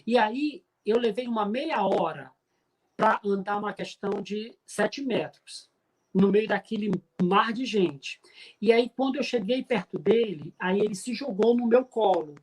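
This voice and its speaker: A middle-aged man from Pará, Brazil, with a regional accent, giving an emphatic, preacher-like spiritist talk with frequent filler pauses. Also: high-pitched, slightly rough, poor audio. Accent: Brazilian Portuguese from Pará. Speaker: spiritist speaker.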